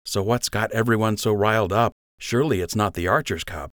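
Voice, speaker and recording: A man's voice: fairly low pitch, a little fast, a bit bright, no echo, clean studio sound, close to an everyday voice. A man voicing a brooding young rabbit archer. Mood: earnest. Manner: earnest, terse, a little sullen. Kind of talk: audiobook character voice.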